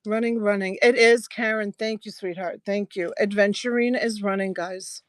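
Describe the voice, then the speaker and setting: A woman's voice: medium pitch, steady tone, moderate pace, no room sound. A woman in her early sixties chatting with viewers while selling jewelry live, laughing often and thanking buyers by name. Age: 60s. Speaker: live-stream jewelry seller. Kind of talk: casual live-selling chat.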